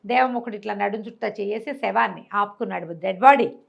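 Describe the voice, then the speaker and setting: A woman's voice: mid-range voice, brisk, vocal fry, dull audio. A woman with a Telugu accent telling a folk tale conversationally, explaining as she goes and acting out dialogue in her own voice. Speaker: storyteller.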